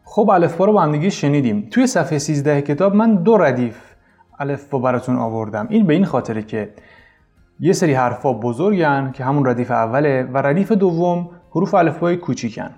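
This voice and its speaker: A man's voice: on the high side, expressive, darkish tone, faint music behind. A man teaching an English lesson casually, coaching his students and repeating each correction.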